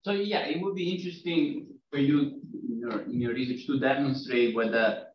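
A man's voice: medium pitch, steady tone, moderate pace, slight background noise. A man in the audience offering a suggestion on someone's research. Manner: suggestive, advising. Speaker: audience member. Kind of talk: academic discussion comment. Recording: echoey, distant, dull room recording.

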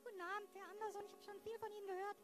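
A woman's voice: extremely high pitch, flat delivery, racing, soft background music. A woman playing a polite, faintly put-upon wife and hostess in an improvised audio drama. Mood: gracious.

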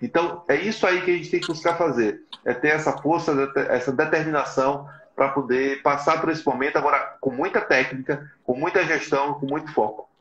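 A man's voice: a little high, brisk, few pauses, a bit bright. A middle-aged man hosting a motivational live webinar, earnest and exhorting, often adding short tag questions. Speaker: live stream host for a business support agency. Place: small plain room indoors. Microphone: video call, device in front of him. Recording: echoey, slightly dull video call audio.

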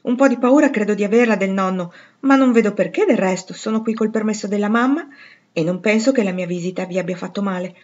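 A woman reading the part of a frank, lively teenage girl in a storybook, talking eagerly and outspokenly. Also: medium pitch, fast talker, muffled recording, voice pushed up, close to an everyday voice.

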